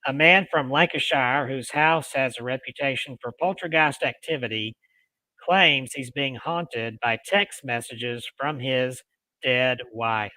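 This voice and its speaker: Man reading ghost stories, bright dry voice. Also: mid-range voice, measured pace, no echo, low-quality recording. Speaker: host of a paranormal storytelling show. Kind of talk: reading ghost stories aloud with casual asides.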